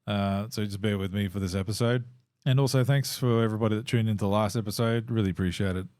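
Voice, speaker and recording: A man hosts his own podcast in a loose, rambling way, full of ums and false starts. His voice sits a little low and is hoarse from overuse. The sound is dry and close, with no room echo. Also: steady tone, fast talker, darkish tone. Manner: rambling, lots of fillers and restarts. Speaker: podcast host. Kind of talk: casual solo podcast chat. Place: home.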